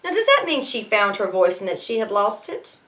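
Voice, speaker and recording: A woman teacher reading a storybook aloud to students in an expressive way, pausing to explain things. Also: medium pitch, rough recording.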